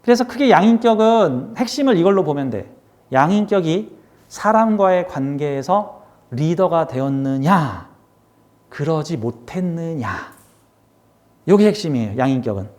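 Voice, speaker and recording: High-voiced man giving a lively lecture. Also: normal speed. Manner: lively, asks the class questions and answers them himself; switches between polite and casual speech. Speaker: fortune-telling teacher. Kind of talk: recorded class lecture.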